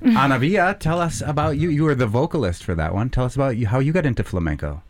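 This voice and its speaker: A man's voice: mid-range voice, lively intonation, quick pace. A man hosting a radio interview, friendly and joking with his guests. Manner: friendly, jokey asides. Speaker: radio host.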